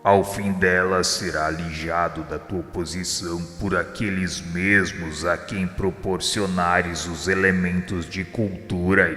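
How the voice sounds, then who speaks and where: A man voicing Jesus as a grave divine figure in a radio drama, speaking with a Brazilian Portuguese accent in measured, solemn pronouncements. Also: deep voice, heavily acted. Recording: heavy reverb with soft music behind.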